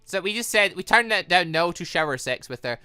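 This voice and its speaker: Female let's player, lowish voice with very lively swings, excitable reactions, close dry sound. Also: a little fast, clear, resonant tone, no room sound, soft background music. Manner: animated, exclaiming reactions. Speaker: let's play host. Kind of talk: excitable video game commentary, reading dialogue aloud.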